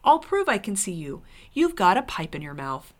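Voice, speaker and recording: A woman's voice: medium pitch, big pitch swings, normal speed, lightly acted. A woman voicing a kind young queen in a storybook reading, earnest and pleading. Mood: insistent. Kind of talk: dramatic novel reading.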